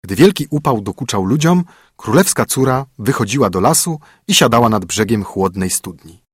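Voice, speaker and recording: Husky expressive male storyteller. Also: medium pitch, normal speed, no echo, clean studio sound. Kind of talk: fairy-tale reading.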